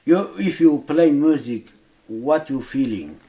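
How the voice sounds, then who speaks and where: A man with a Kurdish accent interviewing casually in simple, halting non-native English, often repeating words. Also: a little high, lively intonation, warm tone.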